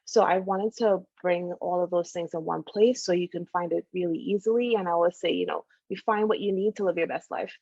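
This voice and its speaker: A middle-aged woman from Trinidad and Tobago chats casually as an interview guest, often pausing on "you know." Her voice has a noticeable fry. The sound is dry and a little dull, like a modest home setup. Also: on the low side, fairly even intonation, warm tone, no room sound. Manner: chatty, many "you know" fillers. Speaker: guest, doctor and founder.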